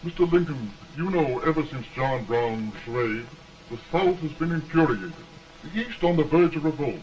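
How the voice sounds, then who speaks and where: An actor in an early talkie film playing an earnest, formal political delegate with an oratorical way of talking, on an old noisy soundtrack. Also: male voice, a little high, lively intonation, normal speed, darkish tone, far from the mic, dull audio, lightly acted. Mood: urgent.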